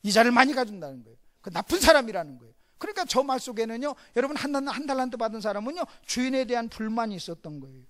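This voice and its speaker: Animated Gyeongsang pastor preaching. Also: male voice, extremely high pitch, rapid-fire, few pauses. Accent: Gyeongsang Korean. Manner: animated, switches between loud emphasis and hushed asides. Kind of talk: sermon.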